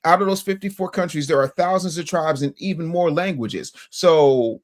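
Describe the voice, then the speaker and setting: A man's voice: a little high, moderate pace. A man on a podcast panel arguing a point emphatically, lecturing with rhetorical questions. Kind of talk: heated panel discussion.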